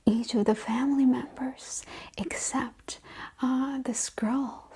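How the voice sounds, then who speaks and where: A woman speaking softly in a breathy, often whispered ASMR voice, chatting in a sassy, exasperated, conversational way. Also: high voice, steady tone, slow, a little hiss or hum. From Russia. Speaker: host of an ASMR film review show. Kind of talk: softly spoken ASMR rant and chit-chat.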